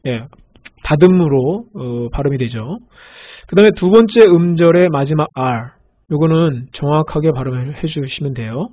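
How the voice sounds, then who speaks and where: A man giving a recorded language lesson on pronunciation, patiently repeating example words slowly. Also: on the high side, slightly rough. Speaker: language teacher. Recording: dull lo-fi audio.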